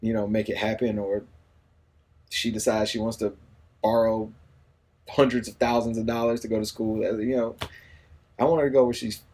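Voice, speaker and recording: A man's voice: lowish voice, level tone, normal speed, pauses often, darkish tone. A man in his forties talking casually in an interview, easygoing and rambling, often saying "you know what I mean.". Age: 40s. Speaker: radio personality and new father.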